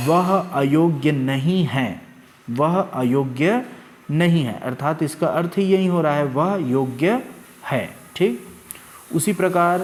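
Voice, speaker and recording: Slow, deliberate male grammar teacher. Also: fairly high pitch. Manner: spells out example sentences slowly for emphasis. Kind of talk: online lecture.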